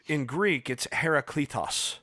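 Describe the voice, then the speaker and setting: A man's voice: on the high side, unhurried, pushed and bright, no room sound, clean studio sound. A man discussing a book on a podcast, thinking aloud with frequent fillers and restarts. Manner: thoughtful, many fillers and restarts. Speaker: podcast guest.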